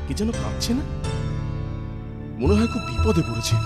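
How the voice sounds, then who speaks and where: A man's voice: high voice, big pitch swings, normal speed, loud music behind the voice. A man voicing an earnest young merchant's son in a cartoon, pleading for help.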